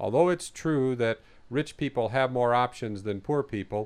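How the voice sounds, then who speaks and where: In a quiet background, a man has an ordinary speaking voice at medium pitch, with ordinary pitch variation and a fairly slow pace. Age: 50s. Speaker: physician and adventurer. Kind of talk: scripted narration.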